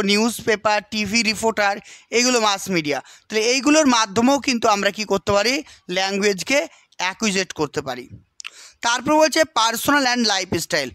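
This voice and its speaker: West bengal guy teaching exam prep, really high bright voice, dry close sound, keeps asking "got it?". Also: dry recording. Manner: keeps asking rhetorical questions and checking understanding; reads English text slowly, then explains it. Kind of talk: explanatory lecture.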